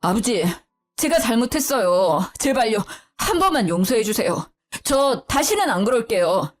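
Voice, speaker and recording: A guilty young husband in a storybook reading, drawing out slow, desperate pleas, voiced by a woman narrator. He sounds cornered and cowardly. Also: on the high side, lively intonation, soft background music, natural voice. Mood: desperate pleading.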